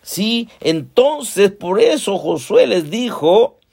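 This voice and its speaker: A man's voice: high voice, big pitch swings, slow pace, creaky, a little mellow, husky. A male pastor preaching a sermon conversationally, often calling the congregation brothers and asking them questions.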